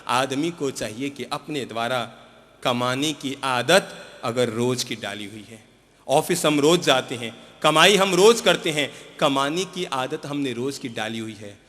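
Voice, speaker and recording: A man preaching a sermon, telling a story with acted dialogue, swinging between loud emphatic peaks and soft low passages. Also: animated, a little slow, in a large hall. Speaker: Jain monk preacher.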